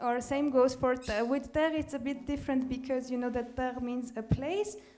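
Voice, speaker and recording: Speaking with an Armenian accent, a woman uses a high pitch, a dark, mellow tone and fairly even intonation. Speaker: summer school participant. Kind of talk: seminar discussion. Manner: halting.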